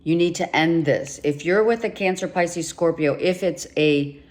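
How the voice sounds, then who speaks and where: A woman giving a monthly tarot reading, emphatic and repeating herself, her voice going hoarse with some coughing. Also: fairly low pitch, measured pace, a little mellow. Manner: emphatic, repeats herself, talks straight to the viewer. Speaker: tarot reader.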